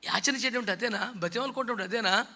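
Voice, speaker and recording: A man's voice: high voice, fast talker, sharp tone. A man preaching a sermon in a scolding, mocking way, often acting out the people he quotes. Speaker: pastor. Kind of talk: fiery sermon.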